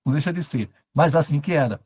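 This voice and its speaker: A man's voice: a little high, expressive, fast talker, a little mellow, breathy edge. A man giving a satsang talk as a spiritual teacher, telling stories with humor and asking himself questions.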